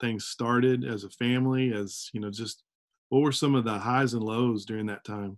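A man with medium pitch speaks in an unremarkable speaking voice with fairly even intonation. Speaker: campus ministry staff, co-host. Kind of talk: casual interview. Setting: video call.

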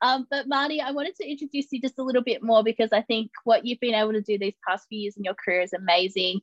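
In an Australian accent, a woman with a fairly high pitch speaks at a very fast pace with hardly any pauses, her sound dry and close with no echo. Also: ordinary pitch variation. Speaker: podcast co-host, sports media co-founder. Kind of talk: casual chat. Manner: animated.

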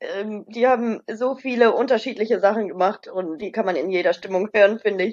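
A woman talks at a moderate pace in a plain, everyday voice. Her pitch sits at a medium level with ordinary pitch variation. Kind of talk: casual chat.

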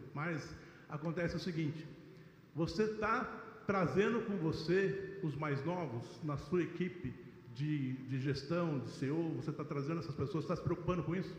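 The speech moves at a moderate pace with ordinary pitch variation. Room echo is audible, and background noise is noticeable. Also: man, fairly high pitch for a man. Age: 50s. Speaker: audience member asking question. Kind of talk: audience question.

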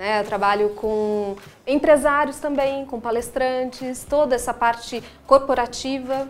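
This woman's voice sits high in pitch and moves with ordinary variation. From Minas Gerais, Brazil. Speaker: speech therapist and vocal coach. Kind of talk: interview.

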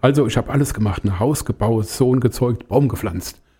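Speaking with a Hessian accent, a man uses lively intonation in a dark, mellow, somewhat breathy tone. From Hesse, Main-Kinzig district. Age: 60s. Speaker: life coach. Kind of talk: radio interview. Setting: radio studio.

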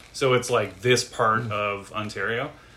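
A man talks at a moderate pace in an ordinary speaking voice. His pitch variation is ordinary. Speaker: guest host. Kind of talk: casual chat.

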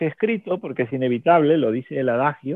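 A fairly high male voice with very wide pitch swings. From Peru. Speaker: writer. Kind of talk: interview.

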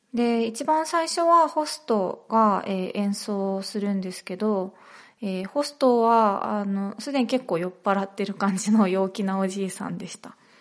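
Against a quiet background, a woman at medium pitch speaks fairly slowly with lively intonation and big swings in loudness. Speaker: podcast host. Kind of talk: solo monologue podcast. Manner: many filler hesitations.

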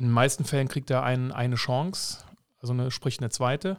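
He talks fairly quickly. The man's pitch is medium. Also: very clean recording, silent background. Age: 40s. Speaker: amateur football coach. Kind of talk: casual interview. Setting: home studio. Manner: hesitant, many filler sounds.

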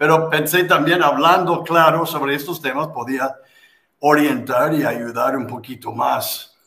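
Speaking at a fairly slow pace with an English accent, a man uses a fairly high pitch and ordinary pitch variation. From United States. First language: English (speaking Spanish). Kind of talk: interview.

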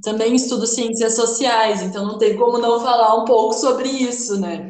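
A woman talks in an ordinary speaking voice, pitched fairly high. Her intonation stays fairly even. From Porto Alegre, Brazil. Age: 20s. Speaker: business consultant. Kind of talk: casual chat. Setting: video call.

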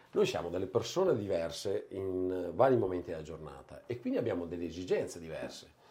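A man speaks at a fairly quick pace. There are hardly any pauses. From Veneto, Italy. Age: 40s. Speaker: bartender and restaurateur. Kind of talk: casual interview chat.

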